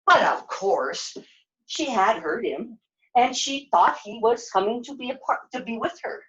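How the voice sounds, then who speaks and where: A woman's voice: on the high side, lively intonation, measured pace, a bit bright. A woman puppeteer telling a children's puppet-show story as its narrator. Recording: dull lo-fi sound.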